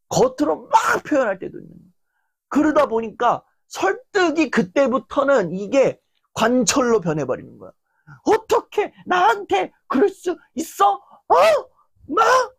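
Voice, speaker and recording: A man's voice: high voice, creaky, husky, dry recording. A young man giving a casual lecture, talking animatedly and acting out people's reactions. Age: young adult. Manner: animated, acts out quoted reactions.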